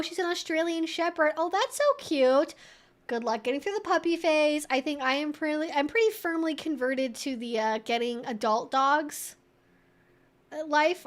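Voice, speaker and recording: High-voiced woman chatting on a livestream. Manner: conversational, wry, reacting aloud to chat messages. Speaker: livestream host answering viewer chat. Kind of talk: casual livestream chat.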